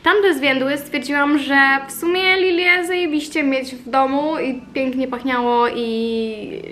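High-pitched young woman, chatty vlogger. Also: steady tone, unhurried, slight background noise. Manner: informal, confiding, rambling storytelling with occasional swearing. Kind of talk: casual chatty vlog talk to followers.

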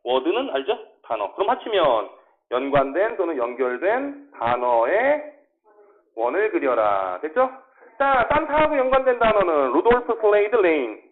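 A male teacher running a classroom English lesson, drilling pronunciation and asking quick check questions. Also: high voice, big pitch swings. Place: small classroom. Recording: tinny phone-like classroom recording.

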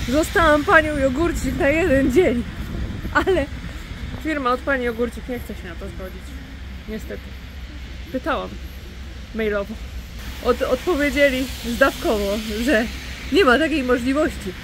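Chatty high-voiced woman vlogging outdoors. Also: normal speed. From Poland. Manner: chatty, playful, self-ironic. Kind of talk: casual vlog chat. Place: snowy city streets outdoors, under an umbrella. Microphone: phone held at arm's length. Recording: faint street noise and passing cars.

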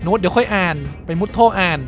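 A man giving casual gameplay commentary, excitable, swearing freely and exclaiming as he plays. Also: high-pitched, fast talker, faint music behind. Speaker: gameplay streamer.

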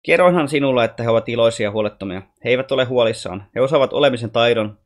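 A man lightly acts the part of a soft-spoken, wise alien boy from the stars, keeping his pitch in the middle range. The boy is calm and patient, gently explaining things as a storybook teacher would.

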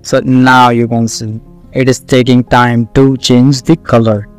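Slow, clear South Asian man teaching. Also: mid-range voice, little pitch movement, faint music behind. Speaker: coding tutorial instructor. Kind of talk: screen-recorded tutorial, explaining step by step.

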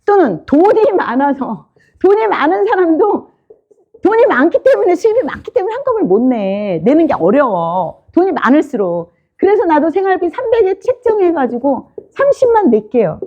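A woman's voice: sits high, lo-fi sound. A woman pastor preaching a sermon in an informal, questioning way, often asking the congregation whether they understand.

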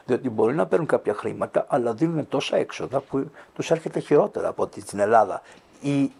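A man's voice: on the high side, gravelly, darkish tone, husky. An older man, a Greek Orthodox priest, talking earnestly in an interview and telling stories with quoted dialogue. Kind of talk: interview answer, storytelling.

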